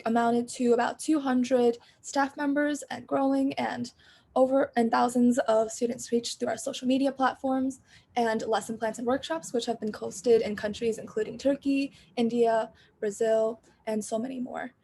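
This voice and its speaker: A young woman hosting an online event opening, upbeat and welcoming, with a naturally quiet voice over a video call. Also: on the high side, fairly even intonation, normal speed, gravelly. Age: young adult. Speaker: host and organizer.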